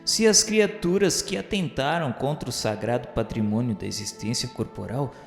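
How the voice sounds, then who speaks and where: Male narrator for a radio novel, grave and measured delivery, long echo, soft music underneath. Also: mid-range voice, creaky. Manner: formal, measured, grave reading. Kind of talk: solemn scripted narration of a spiritist radio novel.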